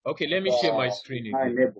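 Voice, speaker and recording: A man's voice: medium pitch, animated, fairly quick, slightly rough, no room sound. A man running a live online ticketing class over a video call. He walks through each step, keeps saying "now", and quizzes the listeners. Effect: heard over a video call. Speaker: ticketing trainer. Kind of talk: live online training presentation. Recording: dull, dry video-call audio.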